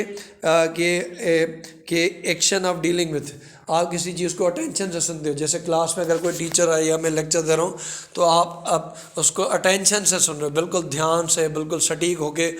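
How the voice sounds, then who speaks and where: A man with a Pakistani accent teaching vocabulary in a classroom lecture style, repeating words and spelling them out. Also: a little high. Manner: repetitive, spells words out letter by letter.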